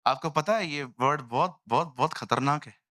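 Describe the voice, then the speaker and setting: A male pastor preaching a lively sermon in a church, mimicking people in quoted voices. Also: fairly high pitch, moderate pace, no room sound, clean studio sound. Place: church hall.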